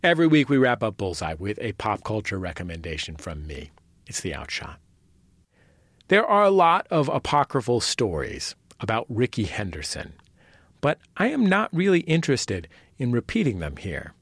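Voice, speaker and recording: A man's voice: on the low side, huge pitch swings, normal speed, a bit bright, slightly rough, dry recording. A man in his thirties hosting a radio show with scripted narration. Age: 30s. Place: dry studio.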